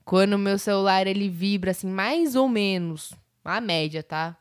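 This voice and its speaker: A woman's voice: medium pitch, normal speed, clean tone. A woman co-hosting a casual podcast chat, teasing and joking with friends, with some swearing.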